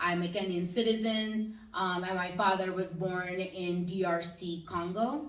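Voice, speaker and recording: Amid noticeable background noise and audible room echo, a woman speaks with an American accent and ordinary pitch variation. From US, Florida. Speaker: entrepreneur. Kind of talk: casual chat.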